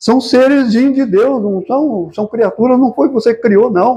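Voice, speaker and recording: This man talks at a moderate pace in a dark, mellow tone. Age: 80s+. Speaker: spiritist lecturer. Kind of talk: lecture. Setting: hall with live audience. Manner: conversational, engaging audience with questions.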